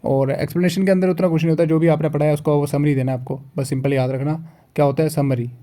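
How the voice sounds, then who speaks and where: A young man explaining a lesson plan in a casual teaching walkthrough, often checking in with students and slowly reading out written lines. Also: a little high, steady tone, dark tone. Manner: repeats checks like "theek hai", reads written lines slowly. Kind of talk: casual teaching walkthrough, mixing Hindi and English.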